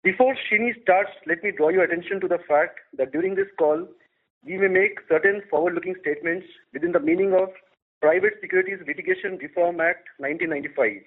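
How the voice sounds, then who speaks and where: Man, high voice, reading from a script, formal disclaimer, tinny phone-line sound. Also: fast talker. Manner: reads a prepared disclaimer steadily. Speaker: investor relations head. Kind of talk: formal scripted call introduction.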